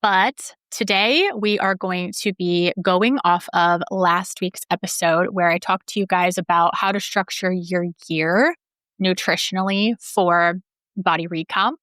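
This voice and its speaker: Woman host, lowish slightly raspy voice, loose rambling delivery, dry close recording. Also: measured pace, fairly bright tone, dry recording. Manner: chatty, rambling, swears freely. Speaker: podcast host and personal trainer. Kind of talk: casual solo podcast talk.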